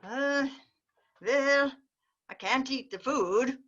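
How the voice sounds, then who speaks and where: A woman's voice: high voice, extremely slow, a bit bright, full character voice. A woman playing a fussy older Jewish mother who keeps making excuses, read over a video call with dull, lo-fi sound. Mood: reluctant. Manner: reluctant, complaining. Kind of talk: readers theater joke reading.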